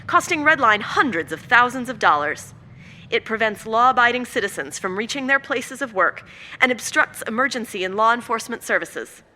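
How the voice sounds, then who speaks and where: A woman's voice: medium pitch, slight background noise. A woman playing a combative, self-righteous politician running for mayor, speaking in pompous, cutting speeches in an audio drama. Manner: forceful, pompous public speechmaking with cutting insults.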